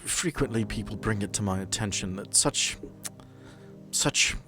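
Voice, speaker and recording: A man's voice: fairly low pitch, measured pace, bright, forceful tone. A man voicing a busy, impatient female office boss with stiff, wordy, formal speech in a tabletop game. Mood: dry impatience. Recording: background music behind the voice.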